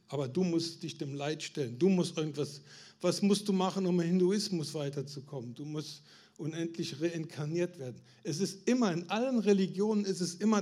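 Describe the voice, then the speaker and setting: A man's voice: fairly high pitch, warm tone. A man preaching a sermon to a congregation, asking them questions and building emphasis, with frequent restarts. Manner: restarts and stumbles on words.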